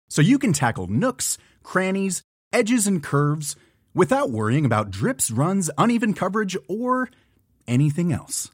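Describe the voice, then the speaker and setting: A man's voice: a little high, slightly rough, no echo, studio quality. A male announcer reading a scripted commercial in a punchy, bouncy way.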